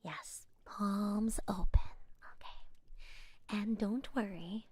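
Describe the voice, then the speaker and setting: A woman voicing a gentle, slightly scatterbrained witch healer in an ASMR roleplay, whispering softly and reassuringly. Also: medium pitch, fairly even intonation, extremely slow, breathy edge, no room sound. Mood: soothing. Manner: soft, reassuring whisper with small giggles.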